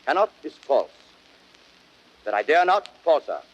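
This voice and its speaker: A man playing a proud, stubborn Roman ruler with a husky voice, declaiming imperiously in classic Shakespearean style. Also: on the high side, very animated, a little slow, a little hiss or hum. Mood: defiant, haughty. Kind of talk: classic Shakespearean radio acting. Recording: dull lo-fi old audiodrama record.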